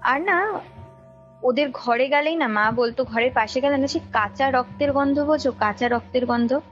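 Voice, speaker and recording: High-voiced young woman, muffled call. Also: moderate pace. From India. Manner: emphatic, repeats phrases for emphasis. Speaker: caller recounting a ghost story. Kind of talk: casual personal storytelling. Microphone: phone call. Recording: dull lo-fi call recording, music behind. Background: background music.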